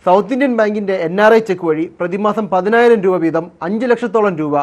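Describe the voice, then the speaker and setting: A man's voice: high-pitched, a little fast, a little mellow, dull audio. A man reading a scripted investigative news narration as the programme's presenter.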